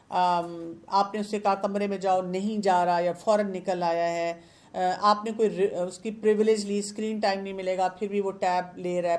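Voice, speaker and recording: A woman's voice: mid-range voice, darkish tone. A woman with a Pakistani Urdu accent, a parenting expert who explains with everyday examples and questions, mixing English words into her talk.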